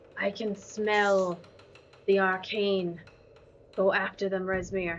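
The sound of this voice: A raspy, put-on character voice at a middle pitch, very slow and monotone with flat intonation.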